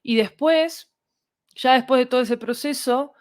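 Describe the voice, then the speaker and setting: Her voice high-pitched and unhurried, this guest on a podcast, herself a podcast creator, carries a Latin American Spanish accent. She explains things conversationally, reasoning out loud and frequently making sure the listener keeps up.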